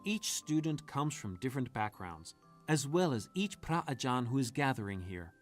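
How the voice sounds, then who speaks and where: A man giving plain, scripted documentary narration in an even storytelling tone. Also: medium pitch, moderate pace, soft background music.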